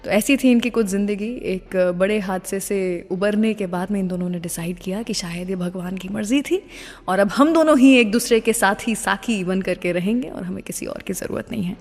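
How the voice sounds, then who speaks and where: A woman's voice: medium pitch, moderate pace, long reverb tail. A woman hosting a radio show in a conversational storytelling style, mixing English phrases into her Hindi. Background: music playing under the voice.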